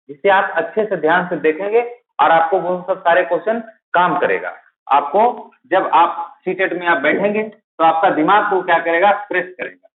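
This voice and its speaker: A man teaching math for teaching exams, who keeps asking a question and then answering it himself, repeating the key terms. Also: sits high. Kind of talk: classroom-style lecture. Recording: tinny, phone-like, echoey room.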